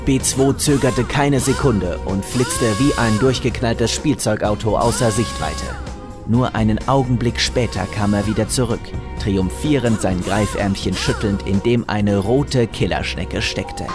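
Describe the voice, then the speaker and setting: A man's voice: fairly low pitch, measured pace, over music. A man narrating a scripted comic story in a wry, tongue-in-cheek manner.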